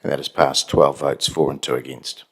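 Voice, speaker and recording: A very low-voiced man with a New Zealand accent chairs a council meeting in a council chamber. He moves through agenda items briskly and procedurally, with the odd dry aside. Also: flat delivery, breathy edge.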